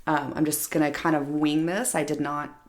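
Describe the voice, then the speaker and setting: A middle-aged woman co-hosting a podcast, hoarse and raspy from a recent bug, talking loosely with lots of fillers. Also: low-pitched, little pitch movement, moderate pace, a little hiss or hum. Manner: rambling, filler-heavy, winging it. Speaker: podcast co-host. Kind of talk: casual chat.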